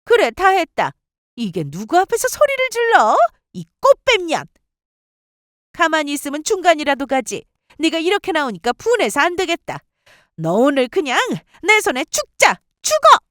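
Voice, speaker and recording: A woman's voice: high voice, huge pitch swings, normal speed, a bit bright, no echo, studio quality, voice pushed up, exaggerated voice. A woman voicing a vicious middle-aged mother-in-law who screeches and sneers insults in a story radio drama. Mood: sneering rage.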